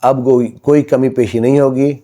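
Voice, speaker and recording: Man telling a story, mellow. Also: medium pitch, little pitch movement. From Pakistan. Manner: retells dialogue in quick dramatic bursts. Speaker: storyteller and channel host. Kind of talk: casual spoken storytelling.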